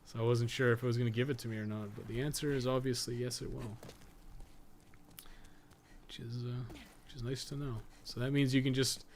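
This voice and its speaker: A man's voice: mid-range voice, steady tone, brisk, long pauses. Profane man commentating a game, noisy background. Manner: profane, thinking aloud. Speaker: game streamer and guide writer. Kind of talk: casual live gameplay commentary.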